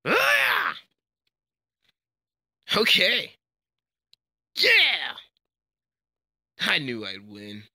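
A brash young fighting-game hero, acted out by a man, with a bright, forceful edge. He delivers his lines slowly, with a taunting swagger, and the sound is close and dry. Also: lowish voice, dry recording. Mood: shouting battle cries, then smug, teasing. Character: cocky, brash young male martial arts fighter. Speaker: amateur voice actor. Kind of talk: character voice demo, video game fighter lines.

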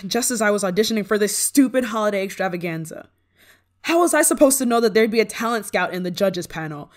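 A woman's voice: mid-range voice, natural voice. A woman playing a prickly, homesick young performer in an ASMR roleplay, grudging in manner but secretly fond of an old friend. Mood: exasperated, bitter. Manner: tsundere, grudging, sighing, secretly affectionate. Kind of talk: ASMR roleplay, acted monologue to listener.

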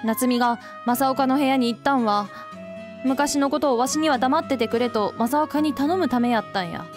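A woman voicing a flustered, gruff older man who stammers in a Kansai accent. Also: high-pitched, moderate pace, over music, lightly acted. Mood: angry. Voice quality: stammering, blustering.

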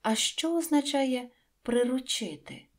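A woman voicing a small, gentle boy prince who is lonely and wondering, in a high, soft, earnest voice. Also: lively intonation, a little slow.

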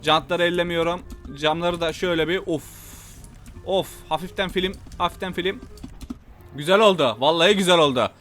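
A young man streaming a driving game with a high, bright, forceful voice. He reacts loudly, repeats himself and laughs a lot. Faint game music plays under his talk. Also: normal speed. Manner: excitable, loud exclamations, repeats his lines, laughs often. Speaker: gameplay streamer. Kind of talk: excited gameplay commentary.

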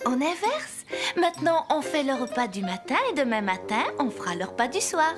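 A woman's voice: high voice, animated, normal speed, music in the background. A woman voicing a kind, playful young babysitter in a French children's cartoon, friendly and coaxing. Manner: bright-spirited, coaxing, friendly.

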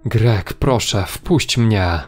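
A man's voice: fairly low pitch, very slow, a little mellow. A man voicing a creature that fakes a desperate, sobbing mother begging to be let in. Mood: pleading. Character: creature faking a pleading mother.

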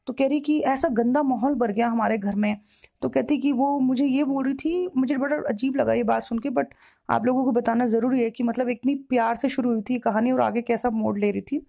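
Mellow woman retelling a client's story. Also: fairly high pitch, creaky. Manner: long reported-speech retelling, repetitive and emotional. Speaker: spiritual counselor.

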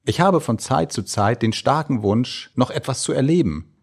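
Man reading old diary entries out loud, gravelly voice, lots of melody in it. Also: medium pitch. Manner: measured, expressive literary reading. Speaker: reader.

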